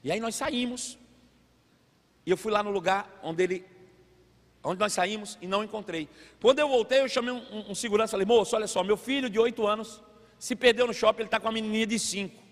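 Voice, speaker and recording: Male pastor, high voice, lively storyteller, big reverberant church hall. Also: brisk. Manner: animated storytelling, acts out voices. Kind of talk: sermon.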